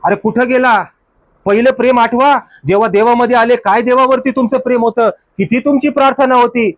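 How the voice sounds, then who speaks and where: A man delivering a church sermon in a high voice, pressing his listeners with rhetorical questions and parroting their excuses. The sound is dry and close. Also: steady tone, a little fast, no room sound. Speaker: pastor.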